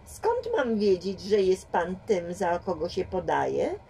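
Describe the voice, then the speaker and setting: A woman's voice: on the low side, big pitch swings, slow pace, gravelly, warm tone, slight background noise, exaggerated voice. A woman voicing a nervous young man, a novice thief who stammers and hesitates. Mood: timid. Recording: distant home mic.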